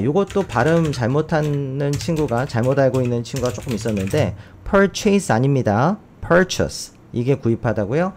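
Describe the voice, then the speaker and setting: Man, teacher, recorded lesson, lively pitch, slow repeated word drills, keyboard typing behind. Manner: explains step by step, models English words slowly and repeatedly. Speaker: English teacher. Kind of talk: recorded vocabulary and pronunciation lesson.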